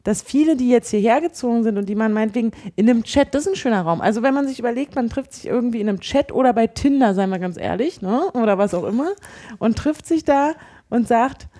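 A woman's voice: a little high, animated, fast, dark tone. A woman from Berlin with a Berlin accent, chatting as a podcast co-host, rambling with many restarts and fillers. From Berlin, Germany. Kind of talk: casual chat.

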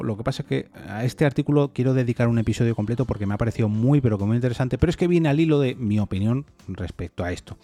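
A man's voice: mid-range voice, dark tone. A man hosting a solo opinion podcast, reading definitions aloud and talking them through informally. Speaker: podcast host.

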